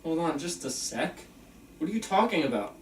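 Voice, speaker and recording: A man's voice: on the high side, big pitch swings, moderate pace. A man reading a confused, agitated patient trapped in an egg-like machine at a table read, questioning and indignant. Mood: alarmed, indignant. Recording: roomy, distant, noisy room pickup.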